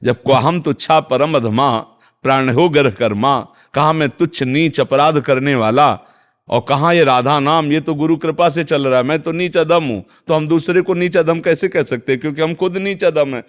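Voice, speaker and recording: A man's voice: a little high, normal speed. A man giving a devotional discourse as a spiritual teacher, answering followers' questions, chanting verses and then explaining them.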